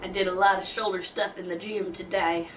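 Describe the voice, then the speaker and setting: A woman gives casual live game commentary in a chatty way. She sits back from the microphone, with a middling pitch and clear noise around her. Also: steady tone, a little fast. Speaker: game streamer. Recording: very noisy room, distant mic.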